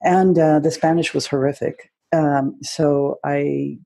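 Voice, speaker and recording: Brief: woman guest, middle-aged, calm storyteller, dark slightly breathy tone. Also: sits low, takes it slowly. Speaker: guest interpreter. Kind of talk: casual chat on a video call.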